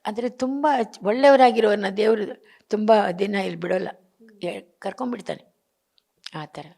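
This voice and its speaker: A woman's voice: mid-range voice, normal speed, vocal fry, mellow. An older actress, talking about her late husband in an emotional interview and acting out his remembered words, with English phrases mixed in. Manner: mixes in English phrases, acts out remembered dialogue.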